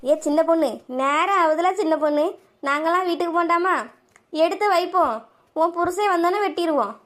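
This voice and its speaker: A woman's voice: very high voice, brisk, fairly bright tone. A woman playing a nagging village guest. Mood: impatient. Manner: nagging, impatient. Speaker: neighbour Vasanthi. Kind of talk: village family drama acting.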